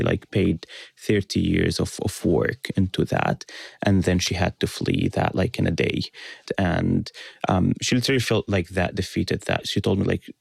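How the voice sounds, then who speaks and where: A man from Syria, an author being interviewed on radio, speaking reflectively with many fillers and pauses. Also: low-pitched, creaky, darkish tone, breathy edge, dry recording.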